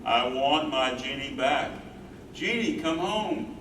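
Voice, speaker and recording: A man's voice: mid-range voice, animated, slow, fairly bright tone, far from the mic. A man playing an earnest, grieving older husband who cares for his wife, in a dramatic staged play reading. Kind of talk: staged play reading, first-person narration. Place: live staged reading in echoey room. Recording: roomy, noisy stage recording from afar.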